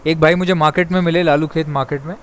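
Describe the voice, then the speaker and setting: Male bird-breeding vlogger from Pakistan, rapid and talkative, slightly high voice, faint ambient hiss. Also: fairly even intonation. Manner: rapid, chatty, addresses viewers as brother. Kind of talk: fast casual monologue to viewers.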